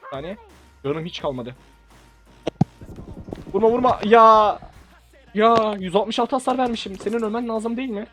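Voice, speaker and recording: A young YouTuber with a high voice and quick pace covers a shooter match for his channel while faint music plays in the background. His excited commentary teases playfully and spills into bursts of laughing shouts.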